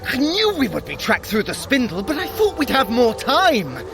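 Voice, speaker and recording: A man's voice: very high voice, huge pitch swings, normal speed, creaky, music in the background, exaggerated voice. A man playing a sly, theatrical Norse trickster god in an audio adventure, wry and flamboyant, with elaborate formal wording. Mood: alarmed. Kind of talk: dramatic audio adventure acting.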